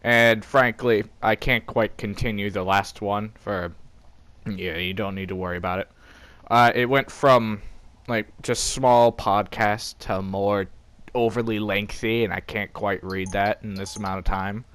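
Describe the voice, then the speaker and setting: A man's voice: fairly low pitch, fairly even intonation, measured pace, a bit bright, clean tone, no room sound. A man narrating a comedic story in an informal, first-person storyteller style.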